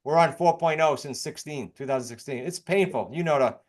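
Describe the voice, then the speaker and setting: Higher-voiced American man, fast-talking coach. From New England, United States. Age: middle-aged or older. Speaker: guest, real estate investing coach. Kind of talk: informal sales presentation with case studies.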